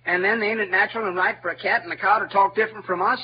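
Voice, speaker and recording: A man's voice: sits high, steady tone, racing, a little hiss or hum, natural voice. An actor playing Huck, a clever boastful frontier boy with a rural Southern dialect, in an old-time radio drama. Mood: lecturing. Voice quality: bright, showy, know-it-all delivery. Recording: dull lo-fi old radio recording with music.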